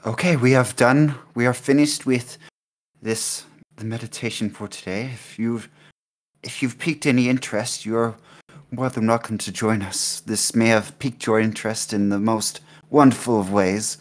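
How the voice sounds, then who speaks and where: Man playing a calm chanting monk. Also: mid-range voice, lightly acted. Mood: soothing. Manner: slow, soothing chant-like repetition. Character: calm male monk leading a meditation.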